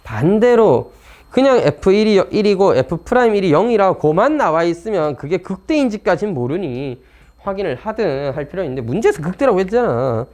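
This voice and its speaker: A man teaches math in an informal lecture, blunt and chatty, talking himself through problems and teasing the textbook. His voice is high-pitched, very animated and darkish in tone, at a normal speed.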